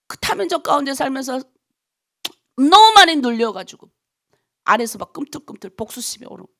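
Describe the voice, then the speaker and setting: Impassioned woman pastor with a gravelly voice. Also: high-pitched, a bit bright. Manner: impassioned, rhetorical questions to the congregation, quoting others in voices. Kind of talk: early-morning prayer sermon.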